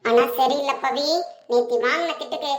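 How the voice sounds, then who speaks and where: A woman's voice: sits high, fairly even intonation, normal speed, natural voice. A woman playing a suspicious office manager who questions and scolds her staff. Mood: scolding. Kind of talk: Tamil comedy romance skit. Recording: echoey room with background noise.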